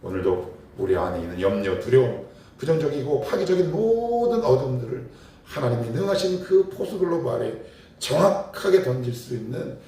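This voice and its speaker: A man's voice: mid-range voice, expressive, normal speed, warm tone. A man, a pastor, preaching a morning prayer sermon, emphatic and full of rhetorical questions to his congregation. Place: church sanctuary. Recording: very echoey hall, mic far off, faint noise.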